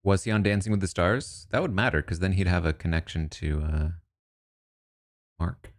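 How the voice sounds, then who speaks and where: A man's voice: sits low, normal speed. A man casually commenting and thinking aloud as he reacts to news about a reality show cast. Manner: musing, thinks aloud, asides.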